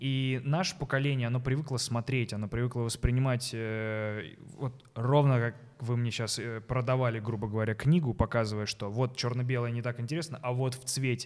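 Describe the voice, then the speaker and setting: In a normal speaking voice, a man talks at a fairly quick pace, at medium pitch, with fairly even intonation. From Voronezh, Russia. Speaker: comedian and podcast host. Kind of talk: interview.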